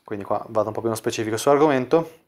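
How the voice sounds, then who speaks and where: A man's voice: medium pitch, racing. A man working as a dating coach, casually explaining chat screenshots and leaning on filler words as he talks. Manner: casual, full of "quindi" fillers.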